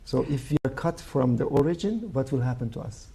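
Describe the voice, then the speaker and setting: Man, Persian accent, gravelly, very dark tone, halting and reflective, interview guest. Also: medium pitch, expressive. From Iran. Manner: thoughtful, halting, frequent uh fillers. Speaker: filmmaker guest.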